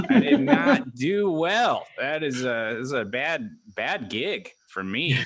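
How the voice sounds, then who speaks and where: A man speaks with an American accent. His pitch sits fairly high. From Kansas. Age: 30s. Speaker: comedian. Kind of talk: stand-up.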